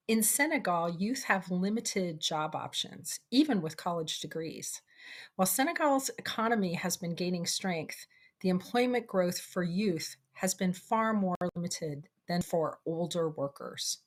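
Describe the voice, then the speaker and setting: A woman's voice: lowish voice, a bit bright. A woman working as an event presenter, reading a scripted introduction.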